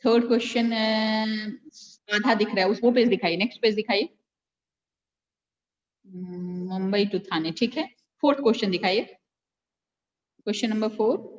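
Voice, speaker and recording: A woman's voice: mid-range voice, normal speed, pauses often, highs cut off. An Indian woman teacher running an online class, patiently correcting pupils and calling them by name. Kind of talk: online class checking homework. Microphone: video call.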